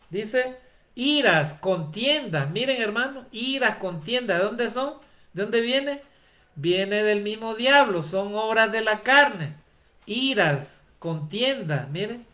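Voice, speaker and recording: A man's voice: high-pitched, fairly bright tone. A man preaching a sermon, asking rhetorical questions and calling his listeners brother. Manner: rhetorical questions with frequent tag "¿verdad?", addresses listeners as brother.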